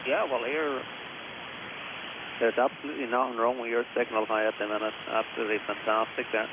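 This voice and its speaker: A man's voice: medium pitch, level tone, phone-quality sound. Hissy radio voice, Northern Irish man. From Northern Ireland. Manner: halting, repetitive, tags phrases with "so you are". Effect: shortwave radio transmission. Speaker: amateur radio operator. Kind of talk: casual ham radio contact chat. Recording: thin, band-limited radio signal with loud hiss.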